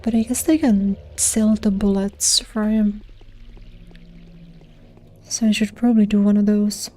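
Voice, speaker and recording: A woman's voice: mid-range voice, steady tone, measured pace, warm tone, faint music behind. A woman streamer chatting casually over her gameplay, laid-back and self-deprecating, her voice strained and fading. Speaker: streamer playing a game.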